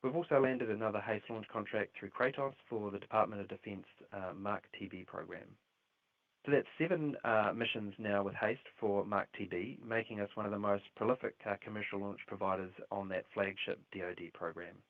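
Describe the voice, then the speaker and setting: A man presenting company results as an executive on an earnings call, reading prepared remarks in a measured way. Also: lowish voice. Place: conference call relayed on a livestream. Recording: roomy, phone-like earnings call line.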